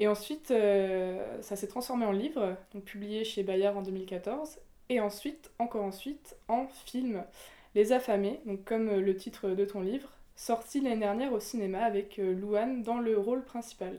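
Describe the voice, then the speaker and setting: A woman speaks at a fairly slow pace in a fairly high voice with a dark, mellow tone and ordinary pitch variation. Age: 20s. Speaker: podcast host. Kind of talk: interview; scripted intro.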